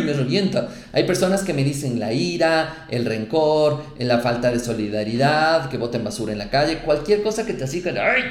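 A man hosting a motivational podcast, coaching listeners in an animated, upbeat way with frequent rhetorical questions, his throat sore. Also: medium pitch. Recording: echoey room.

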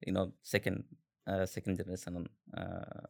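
A man in his twenties with an Indian accent, a podcast guest telling stories casually with halting restarts and fillers. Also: deep voice, monotone, vocal fry. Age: 20s. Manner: halting, many restarts and fillers, laughs often. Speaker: interview guest. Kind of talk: casual conversational storytelling.

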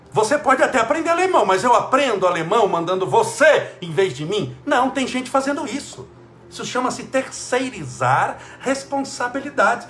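A man's voice: extremely high pitch, fairly bright tone, echoey room. A man giving a spiritual talk, asking his listeners rhetorical questions and acting out the voices of people he quotes. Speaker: spiritual speaker.

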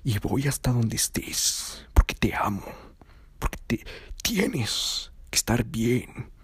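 A man's voice: medium pitch, big pitch swings, slow, husky, no echo, whispered, full character voice. A man voicing a jealous, possessive young boyfriend who fires off the same demanding questions again and again. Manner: insistent, interrogating, repeats questions.

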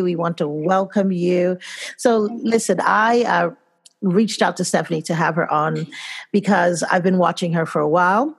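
A woman's voice: on the low side, breathy edge. Enthusiastic Nigerian woman hosting a podcast. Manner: enthusiastic, effusive. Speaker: podcast host.

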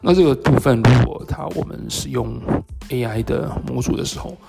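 A man with a Taiwanese Mandarin accent and a gravelly voice hosts a solo podcast talk, explaining things in a halting way with hesitant pauses. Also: medium pitch, over loud music. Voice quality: gravelly, creaky. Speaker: podcast host. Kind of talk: solo talk explaining tech and market topics.

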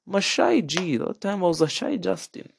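Young Kenyan man, higher-pitched voice. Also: normal speed, vocal fry, slightly rough. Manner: animated, chatty, addresses listener with tag questions and Swahili slang. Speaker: podcast host. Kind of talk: casual monologue with storytelling.

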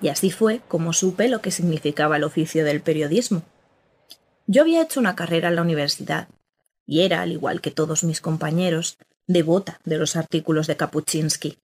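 A woman narrating an audio drama in the first person, reflective and measured. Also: low-pitched, a little mellow, breathy edge.

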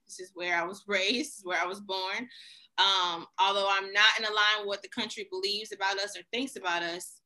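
Bright, earnest woman podcaster. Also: medium pitch, low-quality recording. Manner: earnest and reflective. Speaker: podcast co-host. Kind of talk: casual podcast chat.

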